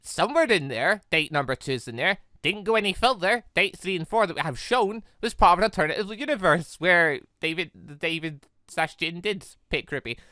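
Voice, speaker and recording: A gaming video host talks in a bright, forceful voice with very lively pitch movement. The delivery is casual and rambling, full of tangents and self-corrections. The sound is dry, with hardly any room in it. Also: normal speed, few pauses, no room sound. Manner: chatty, digressive, self-correcting. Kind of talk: casual rambling game commentary.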